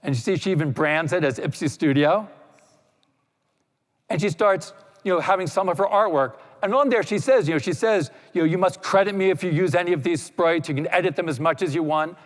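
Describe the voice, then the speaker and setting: A man giving a conference talk, explaining in a relaxed way with many "you know" asides. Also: high voice, a little fast. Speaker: panel speaker. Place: lecture hall. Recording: echoey hall reverb.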